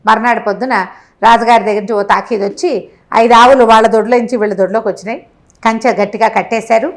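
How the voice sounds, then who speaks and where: A woman with a fairly high voice tells a folk tale as a storyteller would in conversation. She is animated and chatty, slipping into characters' dialogue and adding asides for her listener. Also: fast talker.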